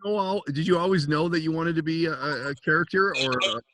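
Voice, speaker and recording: A podcast host with a fairly high voice talks fast, asking questions in a casual interview. He is easygoing and agreeable, giving short responses, and a crowd can be heard in the background.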